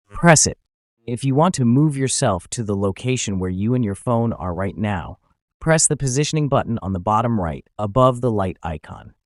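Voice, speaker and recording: A man's voice: lowish voice, no echo, studio quality. Man narrating an app tutorial. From Finland. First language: Finnish. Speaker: YouTube channel host.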